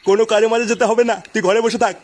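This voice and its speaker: A man's voice: sits high, little pitch movement, racing. A man voicing a grumpy older village father in a comic cartoon, coarse and scolding.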